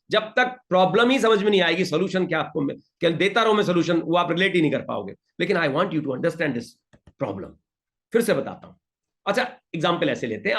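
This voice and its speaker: A male motivational trainer runs an interactive session in a high-pitched voice. He coaxes his listeners with repeated pleas and reads out their answers with brisk praise. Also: a bit bright. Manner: emphatic, coaxing, repeats pleas to the audience.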